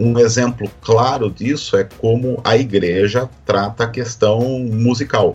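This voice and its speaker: With a São Paulo interior accent, a man speaks at a very slow pace with fairly even intonation. Music plays in the background. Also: medium pitch for a man, hardly any pauses. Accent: Piracicaba accent, noticeable. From Brazil, Piracicaba (São Paulo interior). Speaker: pastor, church planting network leader. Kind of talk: podcast discussion.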